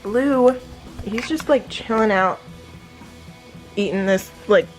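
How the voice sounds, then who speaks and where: A woman's voice: mid-range voice, slow pace, soft background music, low-quality recording. A woman vlogger chatting casually and informally to her viewers in a day-in-the-life style.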